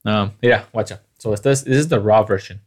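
A man with a Chicano accent chatting casually, switching between Spanish and English in a halting, slangy, profane way. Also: fairly low pitch. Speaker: photographer.

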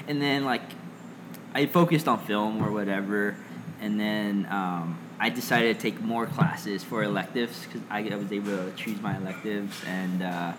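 A man's voice: fairly low pitch, background noise. A young man from Los Angeles answering interview questions casually, full of fillers and restarts. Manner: hesitant, lots of "like" and "uh". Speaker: interview guest.

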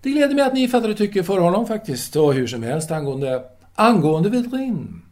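High-voiced, courteous intellectual played by a man. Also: big pitch swings, a little mellow. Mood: probing, measured. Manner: formal address, hesitant with pauses and hums. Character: philosophy teacher in 1938, courteous, restless intellectual lover. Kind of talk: audio drama dialogue, intimate phone conversation.

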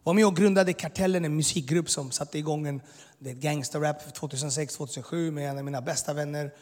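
A man's voice: fairly high pitch, fairly even intonation, darkish tone. A man in his thirties who came to Sweden as a boy gives an earnest, intense personal testimony, full of filler words. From immigrated to Sweden as a boy. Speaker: speaker giving his testimony. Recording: long hall reverb.

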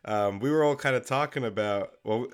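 A congested man co-hosts a maker podcast, his medium-pitched voice smooth and at normal speed. The talk is casual and rambling, with many fillers and restarts.

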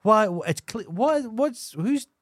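A man's voice: high voice, animated, takes it slowly, no echo. A Scottish man co-hosting a podcast, chatting in a blunt, sweary, mocking way. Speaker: podcast co-host. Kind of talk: casual comedic chat.

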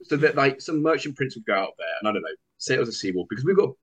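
A man's voice: medium pitch, lively intonation, very fast, a bit bright, slightly rough. A man guest chatting casually on a podcast, rambling and acting out what people say to him. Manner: rambling, acts out quoted dialogue. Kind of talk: casual chat. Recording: dull, lo-fi sound.

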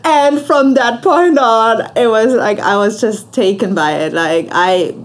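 A woman's voice: a little high, measured pace, a little hiss or hum. A young woman from Germany with a German accent, a guest on a casual interview, talking eagerly with frequent laughs and fillers. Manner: enthusiastic, laughs often, many fillers. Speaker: guest, shark researcher.

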